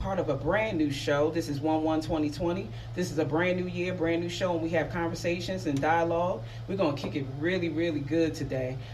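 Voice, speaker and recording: A relaxed-sounding woman with a very deep, low pitch at a fairly quick pace, audible room echo and noticeable background noise. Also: ordinary pitch variation. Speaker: radio host. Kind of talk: radio show introduction. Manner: smooth, relaxed.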